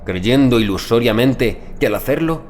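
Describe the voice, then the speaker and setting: A man narrating a scripted first-person horror story in a measured, deliberate literary manner. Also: mid-range voice, expressive, a little mellow, slight background noise. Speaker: audiobook narrator.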